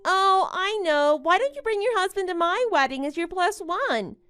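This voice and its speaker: A woman's voice: very high-pitched, animated, moderate pace, pushed and bright, faint music behind, heavily acted. A woman playing a smug, boastful young bride in a melodramatic story, taunting and condescending as she exclaims. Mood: gloating, taunting. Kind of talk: melodramatic animated-story voice acting.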